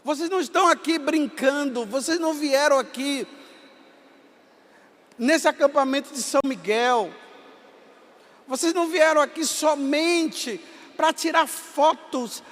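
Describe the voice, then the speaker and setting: A Brazilian priest in his fifties with a Bahia accent, telling stories in a sermon and rising to impassioned shouts. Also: extremely high pitch, unhurried. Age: 50s. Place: large hall at a camp gathering. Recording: long reverb of a large hall.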